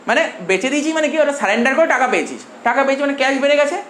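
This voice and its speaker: A man's voice: extremely high pitch, expressive, rapid-fire, fairly bright tone. A man with a Bengali accent teaches a commerce class at breakneck speed, repeating points and firing questions at his students. His voice rings around an echoey room, with a faint hiss of noise behind it. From India. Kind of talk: classroom lecture.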